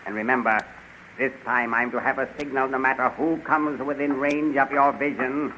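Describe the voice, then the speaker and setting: Man acting a sharp, forceful usurper king. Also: mid-range voice, flat delivery, moderate pace, lightly acted. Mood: commanding. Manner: barking, scornful, commanding. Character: domineering, suspicious villainous usurper king. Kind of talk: 1930s radio serial acting. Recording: muffled, noisy 1930s radio recording.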